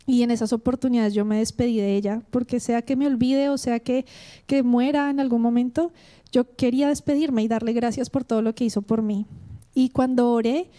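A woman's voice: a little high, mellow. A woman preacher giving a sermon with a personal testimony, earnest and heartfelt, speaking straight to the congregation.

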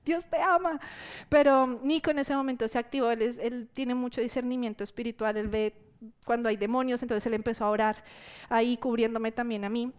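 A woman preacher giving a sermon testimony to her church, telling the story in a lively way and acting out what people said. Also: a little high, clear, resonant tone.

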